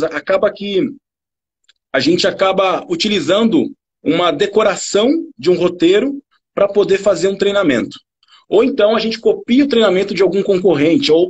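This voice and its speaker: Brazilian male service trainer, husky voice, hammers points home through repetition. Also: high-pitched. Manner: earnest, repeats key words for emphasis. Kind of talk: direct-to-camera coaching talk.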